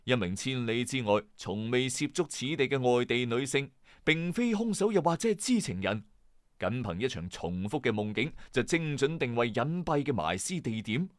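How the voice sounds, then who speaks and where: A man's voice: medium pitch, animated, normal speed, no room sound, clean studio sound. A man with a Hong Kong Cantonese accent tells a scripted true-crime mystery in a dramatic, suspenseful storyteller's manner, with colloquial asides. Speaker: storyteller and host of a late-night mystery story channel.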